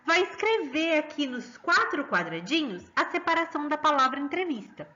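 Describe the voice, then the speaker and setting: A woman's voice: high voice, big pitch swings, moderate pace, pushed and bright, highs cut off. A woman with a Brazilian Portuguese accent teaching a children's lesson, sing-song and coaxing, drawing out stressed syllables.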